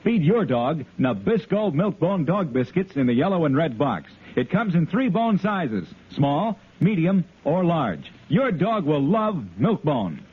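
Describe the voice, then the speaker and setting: An upbeat, persuasive male announcer from a 1950s radio show. His voice is a bit husky and bounces up and down. The sound is narrow and tinny, like a telephone. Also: a little high, sing-song, measured pace, hardly any pauses.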